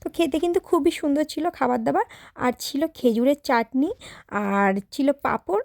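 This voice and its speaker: A young woman with a high voice tells viewers about her day in a chatty vlog. The recording is dry and close, with no room sound around her. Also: normal speed, creaky, a little mellow, no room sound. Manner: chatty, addresses viewers directly. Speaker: vlogger. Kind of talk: casual vlog narration.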